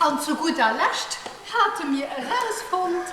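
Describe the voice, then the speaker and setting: A woman's voice: very high voice, sing-song, moderate pace, very echoey, long reverb tail. A woman with a Luxembourgish accent, acting a cheeky office worker who mocks her boss in a live cabaret sketch. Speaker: cabaret actor. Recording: distant stage recording with hiss.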